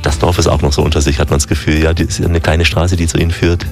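A man's voice: very deep voice, level tone, quick pace, faint music behind. A man hosting a radio travel interview, asking curious, prompting questions and narrating.

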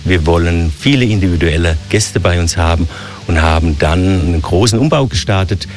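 Deep-voiced man with a Hessian accent. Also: normal speed, soft background music. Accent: Hessian German. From Hesse, Germany. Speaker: hotel director. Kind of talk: radio interview.

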